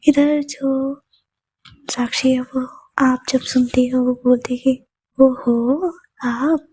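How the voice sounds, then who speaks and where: A woman telling a romance story softly, almost whispering. Her voice sits high and stays flat, breathy and mellow, close to a dry mic. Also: slow pace, no room sound, rough recording. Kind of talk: soft-spoken story narration.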